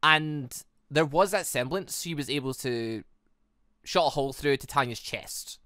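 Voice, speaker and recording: A man's voice: a little high, measured pace, pushed and bright, no room sound, clean studio sound. A British man hosting a gaming playthrough, rambling and musing aloud as he gives casual commentary. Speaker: gaming video host.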